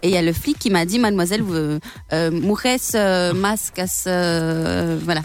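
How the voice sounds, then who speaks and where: A woman's voice: on the low side, normal speed. A woman from Italy, a radio show columnist, chatting casually and emphatically in a studio. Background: music.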